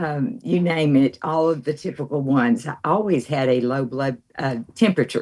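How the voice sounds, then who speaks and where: Speaking in a Southern US accent, a woman with a very deep, low pitch uses lively intonation and hardly any pauses. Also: moderate pace. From southwest Arkansas. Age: 70s. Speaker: insurance agent. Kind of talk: interview testimony.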